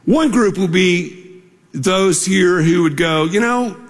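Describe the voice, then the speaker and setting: A man's voice: high voice, slow pace, in a large hall. A man preaching a sermon as pastor, telling a story with humor and building to emphatic, exclaimed points.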